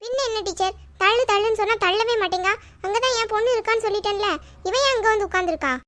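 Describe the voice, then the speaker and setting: A woman's voice: very high voice, quick pace, no echo. A woman voicing a bossy, quarrelsome cartoon mother. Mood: scolding. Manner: sharp, scolding, bossy. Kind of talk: cartoon voice acting.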